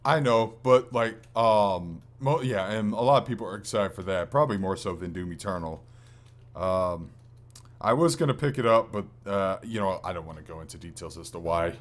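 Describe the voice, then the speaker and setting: At a moderate pace, a deep-voiced man hosts a gaming podcast, keeping the conversation casual. His speech is hesitant and meandering, and he often corrects himself in the middle of a sentence.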